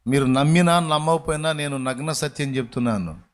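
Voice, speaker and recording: A male pastor preaches in a voice pitched a little above the usual for men. He tells his story dramatically, swinging from loud exclamations down to hushed lines as he acts out the people in it. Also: fairly quick. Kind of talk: sermon storytelling.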